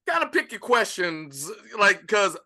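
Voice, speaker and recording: A male podcast host with a fairly high voice asks long, wandering questions. His tone is bright and easygoing. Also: big pitch swings, unhurried. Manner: loose, rambling questions. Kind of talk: casual interview chat.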